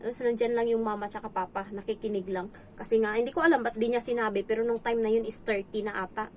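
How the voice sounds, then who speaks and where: Chatty Filipina woman, slightly high voice, casual vlog storytelling, faint background hiss. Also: fairly even intonation, fast, a little mellow. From Philippines. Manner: chatty, acts out quoted voices in a high pitch. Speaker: domestic helper vlogger. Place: indoors in her employer's home.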